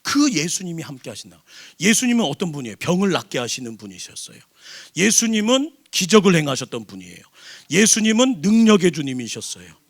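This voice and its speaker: A senior pastor preaches a sermon during a church service, tossing call-and-response questions to the congregation. His male voice sits high and sounds a bit bright.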